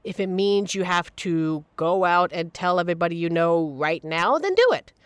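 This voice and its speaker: A woman's voice: on the low side, no room sound, close to an everyday voice. A woman playing a supportive, playful young queer friend in an audio roleplay, talking casually and earnestly to reassure the listener.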